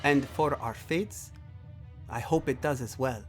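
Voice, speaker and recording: A man's voice: mid-range voice, faint music behind, close to an everyday voice. Man playing an earnest, lofty alien nobleman. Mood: grave. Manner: formal, deliberate, lofty. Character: ancient alien nobleman, earnest idealist pleading for coexistence. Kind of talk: scripted sci-fi audio drama.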